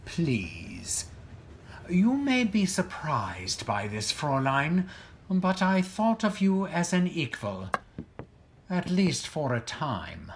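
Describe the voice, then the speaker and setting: Smug nazi general, slow and theatrical, swingy pitch, bit of noise. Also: male voice, wildly swooping pitch, exaggerated voice. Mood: grandiose, bitter. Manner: pompous, theatrical, mock-courteous. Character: ruthless, smug Nazi general, coldly polite villain. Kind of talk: audio drama acting.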